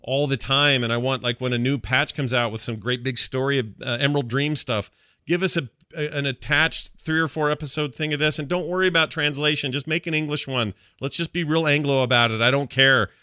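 Bright-voiced man, casual and close to the mic. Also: mid-range voice, fairly even intonation, brisk, no room sound. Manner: enthusiastic, slangy, rambling. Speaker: podcast host. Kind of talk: casual gaming podcast chat.

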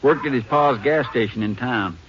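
An actor playing a plain-spoken, helpful small-town Texas sheriff in a 1950s radio western. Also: male voice, mid-range voice, moderate pace, dull audio, close to an everyday voice. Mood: matter-of-fact. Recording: noisy, band-limited 1950s radio recording.

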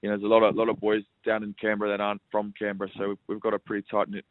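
Young Australian male athlete, brisk and monotone, phoned in over a tinny line. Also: on the low side, no room sound. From Sydney, Australia. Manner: relaxed, repeats words, says mate often. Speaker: rugby league player. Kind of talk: phone interview.

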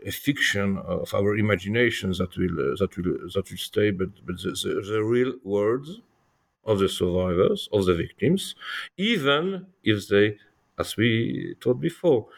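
A middle-aged man with a low, gravelly voice gives considered interview answers. He is not a native English speaker, and he feels his way haltingly through sentences, repeating small words. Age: 50s. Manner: halting, searching for words with frequent repetitions. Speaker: historian and author interviewed.

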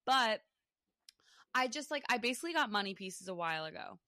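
A young woman in her twenties hosting a casual podcast chat, rambling with plenty of fillers and quick laughs. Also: on the high side, sing-song, sharp tone, no room sound. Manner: chatty, lots of fillers and laughs. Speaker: podcast host.

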